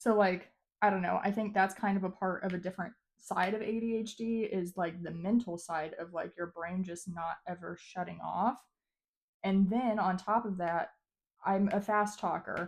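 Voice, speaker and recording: This woman has an unremarkable speaking voice, medium in pitch, with fairly even intonation at a moderate pace. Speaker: hobby video creator. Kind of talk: casual chat.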